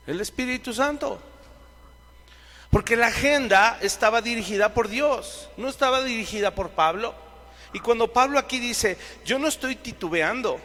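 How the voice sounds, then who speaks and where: A man with a Mexican accent leading a Bible lesson to a live audience in a church hall. His fairly high voice keeps throwing questions at the listeners. A long reverb hangs on every phrase. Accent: Mexican Spanish. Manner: questions the audience directly, lively. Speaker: Bible teacher. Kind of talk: sermon-style Bible teaching.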